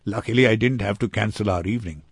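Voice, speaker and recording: A man's voice: fairly low pitch, quick pace, vocal fry, breathy edge, no echo. A man voicing an apologetic yet self-satisfied man in an audiobook, breezily making excuses for being late.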